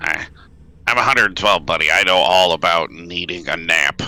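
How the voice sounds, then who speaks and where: In a put-on character voice, a man speaks at a moderate pace with a very deep, low pitch and a raspy sound. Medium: actual play. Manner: wry, steadying.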